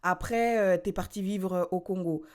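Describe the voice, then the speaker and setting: A woman from France co-hosting a podcast, explaining her points in lively casual talk and slipping into English now and then. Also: fairly low pitch, normal speed. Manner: lively, repeats herself while building a point. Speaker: podcast co-host. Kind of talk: casual chat, mixing French and English.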